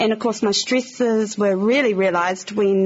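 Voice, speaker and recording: Moderate pace from a woman in a New Zealand accent. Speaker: radio host. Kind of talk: radio talk.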